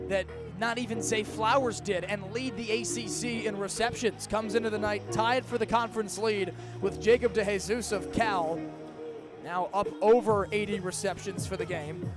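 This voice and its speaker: A young American man with a high voice does live football play-by-play for radio. His phrasing is crisp and packed with detail. Faint music sits behind him. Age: 20s. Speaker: play-by-play sports announcer.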